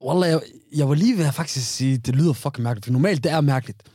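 A man's voice: a little high, dark tone, breathy edge, no echo, clean studio sound. A man in casual podcast chat, telling stories with slang, frequent restarts and laughter. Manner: laughing storyteller, slang-laced, many restarts.

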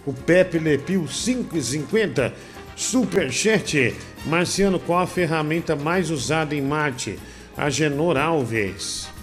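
A man hosting a comedy show who reads viewer messages in a loose, rambling, joking way. His voice sits a little high for a man, with soft music running underneath. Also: expressive, takes it slowly. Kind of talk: reading superchats, bantering.

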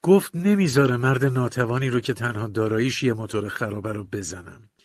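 A man narrating a first-person audiobook in a measured, confessional, colloquial manner, recorded close to a studio mic. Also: medium pitch, dry recording.

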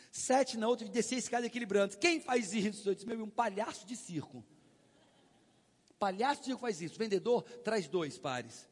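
A man with a very high voice gives a lively sales seminar, acting out both sides of conversations and pushing the audience to call out answers. His voice rings with long reverb from a large hall. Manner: animated storytelling, acts out dialogue, prompts audience. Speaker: sales trainer. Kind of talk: live sales seminar talk.

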